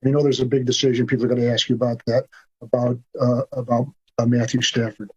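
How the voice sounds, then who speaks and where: Male reporter, halting remote question; husky, lo-fi sound. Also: mid-range voice, little pitch movement, a little mellow. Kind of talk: press conference question. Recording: husky voice over dull remote line.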